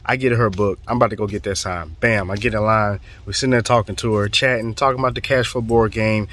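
A man from the southern United States with a hoarse, fading voice, telling an animated, profane story in a casual vlog. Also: on the low side, quick pace. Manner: animated, profane, acts out quotes. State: hoarse, voice going. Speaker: real estate vlogger.

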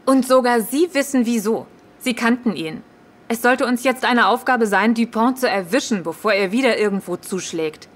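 A woman's voice: fairly high pitch, normal speed, lightly acted. An actress in an audio drama playing a firm, matter-of-fact female police detective. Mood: stern, insistent.

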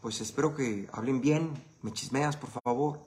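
A man with a Mexican Spanish accent talks blunt and salty in a casual live Q&A. His voice sits at an ordinary middle pitch, and he swears freely as he answers viewer questions. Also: moderate pace, darkish tone. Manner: blunt, profane and conversational.

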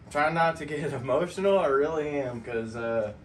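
A man's voice: on the high side, moderate pace, recorded from a distance, a little hiss or hum. Easygoing man. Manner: folksy, laughing, heartfelt thanks. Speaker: channel host. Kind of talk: casual vlog chat.

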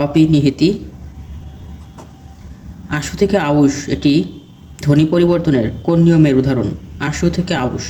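A man with a somewhat high, mellow voice works through exam questions one after another, stating each question and then its answer. His delivery is steady and methodical, like a teacher drilling students. A faint hiss of background noise sits under the recording. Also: measured pace, long pauses. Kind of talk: reading quiz questions and answers.

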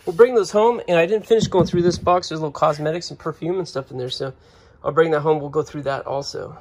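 A woman's voice: sits low, fast talker, darkish tone, breathy edge. A woman hosting a casual vlog at home, chatting to her viewers and cooing playfully at a cat. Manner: chatty, coos and laughs at a cat. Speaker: vlog host. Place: indoors at home.

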